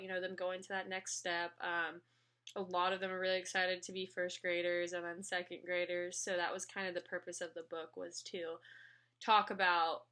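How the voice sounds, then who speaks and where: A woman's voice: medium pitch, pushed and bright. A young woman talking casually and informally, reflecting aloud as a student teacher. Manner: chatty, informal.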